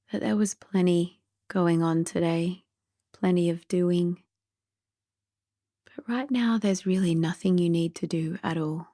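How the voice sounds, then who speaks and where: A woman leads a sleep meditation with a mellow, relaxed voice. Her delivery is very slow, gentle and soft, often easing toward a breathy near-whisper. The sound is close and dry. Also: on the low side, no room sound. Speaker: meditation guide.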